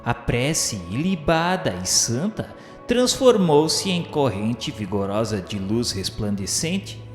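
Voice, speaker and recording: A man reads a scripted radio novel at a slow, measured pace. His delivery is formal, solemn and declamatory. The voice rings in a long, echoey reverb, with music playing behind it. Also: mid-range voice. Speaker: narrator.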